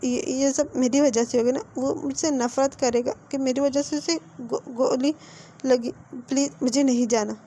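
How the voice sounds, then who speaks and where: A woman's voice: high-pitched, fairly even intonation, moderate pace, warm tone, slight background noise, close to an everyday voice. Woman voicing a stammering tearful young man. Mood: pleading. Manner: stammering, pleading. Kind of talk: fan-fiction storytelling.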